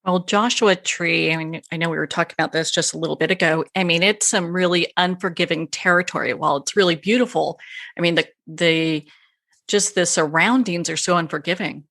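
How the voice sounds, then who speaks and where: A woman's voice: fairly low pitch, fairly even intonation, a little fast, fairly bright tone. A woman hosting a talk show, introducing and interviewing her guest. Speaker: host.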